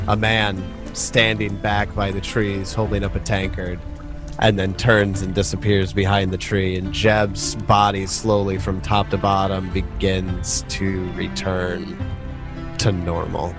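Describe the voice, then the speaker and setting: A man with a lowish voice narrates a tabletop game as its game master. He improvises descriptions casually and haltingly. Music plays clearly behind him. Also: little pitch movement.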